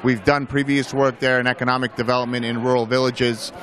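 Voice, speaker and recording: A man's voice: medium pitch, flat delivery, fairly quick, fairly bright tone. A man in an interview, earnestly explaining the origins of his film and his organization's work. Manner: earnest, explanatory, some restarts. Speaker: film producer and foundation head.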